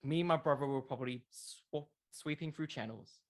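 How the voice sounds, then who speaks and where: Casual interview guest: young adult male, middle pitch, earnest, rambling explainer. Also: normal speed. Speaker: interview guest, wrestling content creator.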